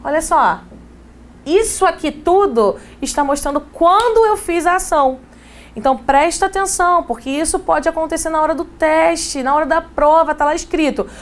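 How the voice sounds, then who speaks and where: Woman teacher, relaxed exam-prep lesson, talks to students directly, slightly high pitch. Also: normal speed. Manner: casual, chatty teacher who addresses students directly. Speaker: English teacher.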